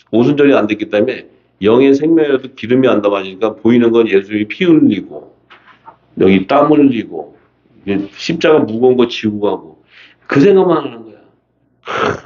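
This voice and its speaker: A man preaching a seminar sermon in a colloquial, animated way, asking rhetorical questions and reading scripture aloud. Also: medium pitch. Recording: dull lo-fi audio.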